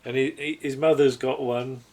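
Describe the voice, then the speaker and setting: Bloke podcast co-host going over an episode, casual, bit hesitant, keeps checking you agree. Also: male voice, mid-range voice, fairly even intonation, normal speed, a little mellow. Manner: hesitant, conversational, seeks agreement with tag questions. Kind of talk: casual episode recap chat.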